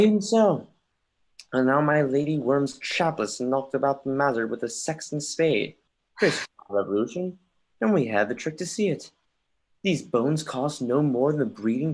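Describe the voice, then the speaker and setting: A woman's voice: rumbling low, lively intonation, normal speed, darkish tone. A woman playing a brooding, witty young prince, musing in sardonic questions in a Shakespeare reading.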